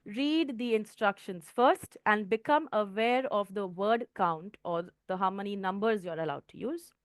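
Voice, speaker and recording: Woman trainer, clear teaching tone. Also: mid-range voice, a little slow, no room sound, studio quality. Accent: Indian English. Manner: clear teaching tone, frequent "okay" checks. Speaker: IELTS trainer. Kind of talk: online test-prep lesson.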